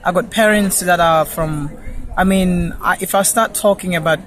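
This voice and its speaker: A man from Malawi interviewing students, talking in a loose, rambling way with frequent pauses and laughs. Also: high-pitched, steady tone, a bit bright. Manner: rambling, laughs between remarks. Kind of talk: casual street interview. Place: outdoors on a campus. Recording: noisy outdoor recording.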